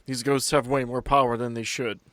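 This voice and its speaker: A man's voice: mid-range voice, level tone, brisk, fairly bright tone, no echo, lightly acted. A man voicing a middle-aged male scientist in a tabletop game, anxious and politely annoyed, with hesitant, stammering speech. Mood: nervous, earnest.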